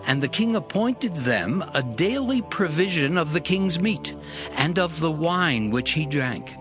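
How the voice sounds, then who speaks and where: A man narrating dramatized scripture in a solemn, measured, formal manner. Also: a little high, sing-song. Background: background music.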